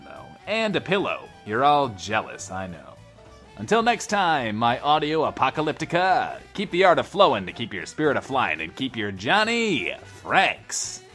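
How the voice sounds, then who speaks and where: A man's voice: mid-range voice, a bit bright. An actor playing a vain, defensive male post-apocalyptic radio DJ with glib showman patter, in an audio drama. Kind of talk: in-world radio show hosting, audio drama.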